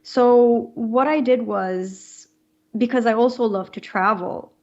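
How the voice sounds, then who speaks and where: A woman's voice: fairly high pitch, takes it slowly, dull audio. A young adult woman from Romania, a podcast guest talking earnestly and thoughtfully, with frequent fillers. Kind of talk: casual interview talk.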